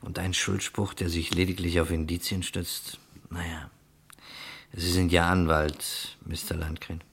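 A man's voice: low-pitched, level tone, measured pace, gravelly, fairly bright tone, slightly rough, full character voice. A man playing a shrewd police investigator in a crime radio play, questioning pointedly with skeptical, dry reasoning. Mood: measured, probing.

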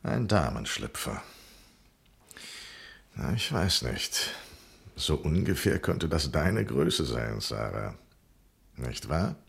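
Very deep, gravelly, sardonic gentleman. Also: big pitch swings, slow pace, long pauses, exaggerated voice. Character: dry, sardonic gentleman nephew of a murdered lady. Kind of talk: German radio crime drama acting.

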